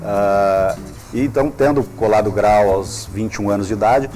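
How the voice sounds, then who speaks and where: Measured, low-voiced man in his fifties. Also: darkish tone. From Brazil. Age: 50s. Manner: measured, formal, with frequent hesitations. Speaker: guest, public prosecutor. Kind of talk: studio interview. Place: TV studio.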